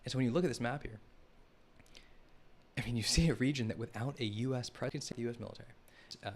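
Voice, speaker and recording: Speaking quickly in a medium-pitched voice, a man hosts a live analysis stream and rambles over a map. He keeps restarting and correcting his sentences and talks directly to the chat.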